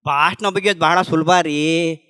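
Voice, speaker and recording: A man's voice: on the high side, steady tone, normal speed, pushed and bright, clean tone, in a large hall. A middle-aged man giving an emphatic spiritual talk to a gathering, asking questions and answering them himself. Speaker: meditation practitioner sharing testimony.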